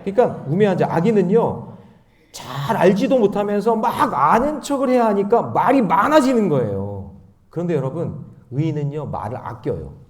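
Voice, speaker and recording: Lively, high-pitched male preacher. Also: moderate pace. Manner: animated, swinging between loud emphasis and quiet asides; leads the congregation in reading scripture aloud. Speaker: pastor. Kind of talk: dawn prayer meeting sermon.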